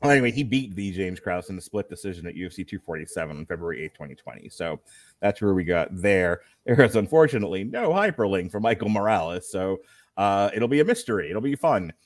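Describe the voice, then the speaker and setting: A man's voice: low voice, expressive, quick pace, no echo. Guy hosting a fight night stream, chatty and jokey, laughs a lot, dry close mic. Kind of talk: casual live commentary chat.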